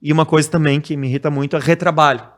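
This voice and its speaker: A man from Brazil, a podcast guest talking casually in a blunt, direct way and growing animated when he explains. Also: fairly high pitch, very fast. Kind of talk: casual conversation.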